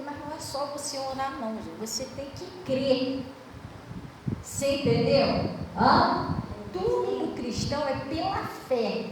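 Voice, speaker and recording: High-voiced Brazilian woman pastor preaching. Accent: Brazilian Portuguese. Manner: conversational preaching, keeps asking the congregation if they understand. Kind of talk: sermon. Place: church hall. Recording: echoey hall, distant mic, room noise.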